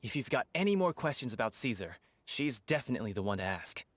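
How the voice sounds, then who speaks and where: A man's voice: mid-range voice, very animated, fast, dry recording. A man voicing a chatty, emphatic townsman in a video game, theatrical and full of opinions. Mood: gossipy. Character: chatty townsman, indignant and boastful gossip.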